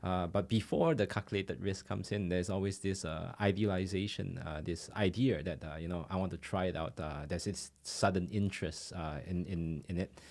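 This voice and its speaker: A man's voice: deep voice, steady tone, normal speed, gravelly, few pauses, a little mellow. A man from Singapore, a podcast guest, talking hesitantly with many fillers. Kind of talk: conversational interview.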